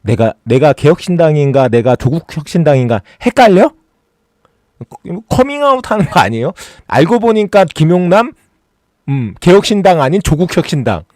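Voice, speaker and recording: A man's voice: fairly high pitch, sing-song, moderate pace, a little mellow, no echo, studio quality. A man hosting a casual political livestream, talking sarcastically and mockingly and working himself up into exasperated rants. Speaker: political YouTube host.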